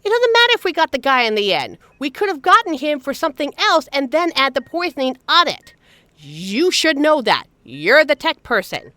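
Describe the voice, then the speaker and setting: A woman's voice: high voice, big pitch swings, normal speed, pushed and bright, no echo, heavily acted. A woman playing a fiercely protective secret agent in an emotional, emphatic dramatic audio roleplay. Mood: angry, scolding. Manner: emotional, scolding, emphatic, swearing. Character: normally suave female secret agent, fiercely protective, angry and anguished. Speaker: voice actor in a scripted audio roleplay.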